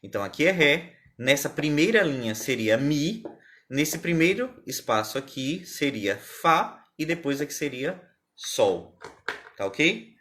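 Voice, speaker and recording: A man's voice: on the high side, sing-song, a little slow, a bit bright, slight background noise. Male music teacher, live stream lesson, patient and step by step, quizzes the chat. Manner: patient, explains step by step, asks viewers questions.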